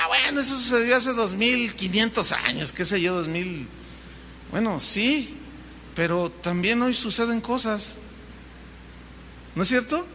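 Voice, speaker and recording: A man's voice: high voice, pushed and bright, a little hiss or hum. A man with a Mexican Spanish accent preaching a sermon as pastor, telling the story vividly and acting out the dialogue. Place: church hall. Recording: long reverb of a large hall.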